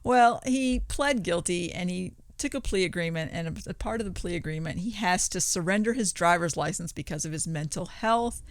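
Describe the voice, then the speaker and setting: A woman's voice: fairly low pitch, moderate pace, few pauses, no room sound. Amused woman co-host, dry close sound. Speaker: co-host reading odd news stories. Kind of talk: casual podcast chat and news reading.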